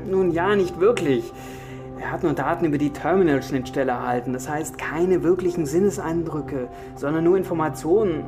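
A man's voice: on the high side, moderate pace, natural voice. Man as a hesitant scientist over music. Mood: cautious, analytical. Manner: hesitant, explanatory. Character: uncertain, analytical male computer scientist. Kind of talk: science fiction audio drama acting.

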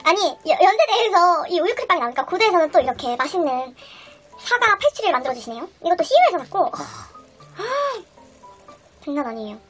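At a moderate pace, a very high-pitched young woman chats excitedly to the camera during her mukbang, humming between bites as she tastes the food. Her camera sits on the table, first in a small indoor room and then in a busy restaurant, with background music and restaurant chatter.

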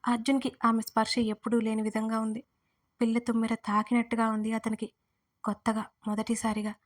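A woman narrating an audio story in a calm, even storytelling voice. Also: on the high side, brisk.

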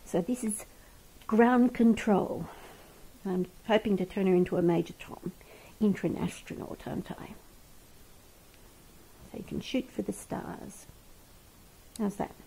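A woman who rescues and cares for bats, gently talking and often whispering to an animal as she feeds it in a home kitchen, recorded on a head-mounted camera. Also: medium pitch, a little slow, vocal fry, pauses often, husky, rough recording. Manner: soft, coaxing, often whispering. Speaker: bat rescuer and carer. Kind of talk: gentle commentary while feeding an animal.

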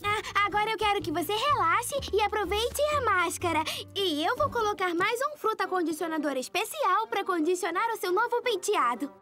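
A woman's voice: extremely high pitch, animated, normal speed, few pauses, exaggerated voice. A woman with a Brazilian accent voicing an eager, flustered young girl hairdresser in a cartoon dub. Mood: eager, soothing. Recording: loud music behind the voice.

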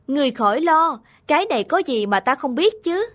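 A woman's voice: sits high, big pitch swings, fairly quick, a bit bright. A woman voicing a proud, hot-tempered middle-aged male tribal chief in a dramatic cartoon folk tale. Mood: boastful. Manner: imperious, dramatic. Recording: studio voice over background music.

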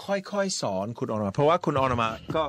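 A man's voice: a little high, sing-song, brisk, noisy background. A man co-hosting a radio English lesson in Thai and English, patiently spelling words out letter by letter. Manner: switches between Thai and English. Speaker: English teacher co-host. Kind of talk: radio language lesson chat.

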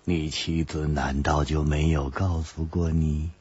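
A man's voice: little pitch movement, husky, heavily acted. A man playing an icy old woman in black. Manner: low, hushed, slow and icy. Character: cold, menacing old woman in black, a sect elder. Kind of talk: storytelling audiobook. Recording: dull lo-fi dry recording.

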